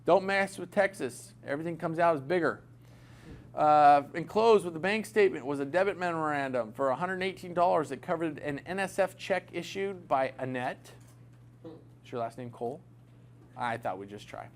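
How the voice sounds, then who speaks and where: A man's voice: fairly high pitch, expressive, moderate pace. A man teaching an accounting class in a classroom, talking casually, joking and asking his students questions. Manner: chatty, jokey, asks the class questions. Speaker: accounting instructor. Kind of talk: classroom lecture.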